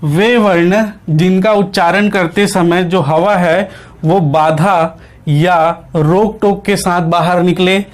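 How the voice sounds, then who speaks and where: A man teaching Hindi grammar in an online exam-prep class. He poses questions to the class, answers them himself, and keeps repeating key points with short checks. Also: high voice.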